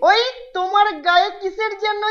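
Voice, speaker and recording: A woman's voice: very high voice, flat delivery, normal speed, fairly bright tone, highs cut off. A woman voicing a polite, earnest young schoolboy in a children's cartoon. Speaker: cartoon voice actor.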